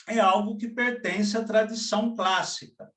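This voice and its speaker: A man teaching a poetry class online, explaining slowly and deliberately with frequent "né". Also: high voice, fairly even intonation, fairly bright tone. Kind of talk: online class lecture with poem readings. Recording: echoey room, mic far off.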